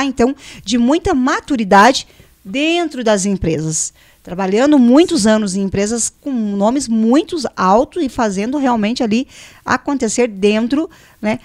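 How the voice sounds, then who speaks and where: A woman's voice: a little high, expressive, a little slow, darkish tone, dry recording. A Brazilian woman hosting a radio talk show, chatty and encouraging as she leads the conversation. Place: radio studio.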